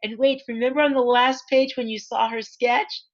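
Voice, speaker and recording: A woman author reading her picture book aloud to children in an expressive storytime manner, with asides to point things out. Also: fairly high pitch, moderate pace, dull audio. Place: online library event.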